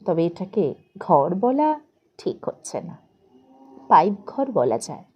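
A woman reading a literary story as an expressive audiobook narrator. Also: on the low side, takes it slowly, breathy edge.

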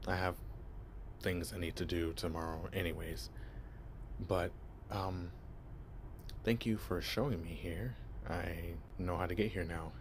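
A bashful young vampire stumbles over his words, deep-voiced and unhurried as he fumbles through a cover story, played by a young man. The delivery is awkward and hesitant, full of nervous restarts. A faint hiss sits under the ASMR audio. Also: steady tone. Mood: flustered, awkward. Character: shy, clueless young male vampire posing as human. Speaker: voice actor.

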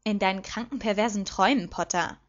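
A sulky, snappish teenage witch girl with a sharp tongue, as a woman reader puts her on. She sits at a middle pitch, and the recording sounds a bit dull and lo-fi. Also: quick pace, natural voice.

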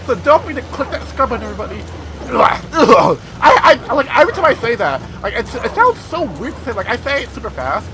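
A young man with a lisp giving casual let's play commentary, excitable and swearing a lot. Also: very high-pitched, fast, a crowd in the background, noisy background. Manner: excitable, swears constantly, self-deprecating. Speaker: gaming video host.

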